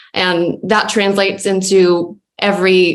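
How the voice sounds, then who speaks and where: In a Quebec accent, a woman talks at medium pitch with fairly even intonation. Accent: French Canadian accent in English. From Quebec, Canada. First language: French. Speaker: reporter. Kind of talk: webinar panel discussion. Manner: hesitant with fillers.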